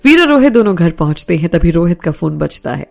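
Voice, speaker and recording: A woman narrating a romance audio story in a steady storytelling manner. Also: fairly low pitch, brisk, creaky, faint music behind.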